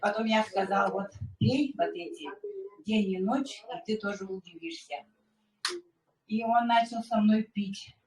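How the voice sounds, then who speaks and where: A woman's voice: medium pitch, measured pace, darkish tone. A woman in her sixties giving a chatty personal testimonial at a meeting, dropping frequent filler words. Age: 60s. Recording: echoey room, distant mic.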